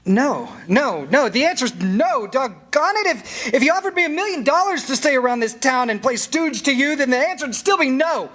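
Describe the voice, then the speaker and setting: An earnest young small-town man in an old-fashioned radio play. He stammers and restarts in a flustered way, his pitch swinging widely. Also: expressive, a bit bright, exaggerated voice. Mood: indignant. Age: young adult. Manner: stammering, halting, pleading. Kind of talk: staged 1940s radio drama acting.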